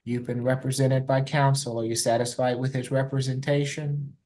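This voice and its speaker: A male judge runs formal courtroom questioning in a polite, measured way. His voice is mellow and relaxed, and the pitch stays quite flat.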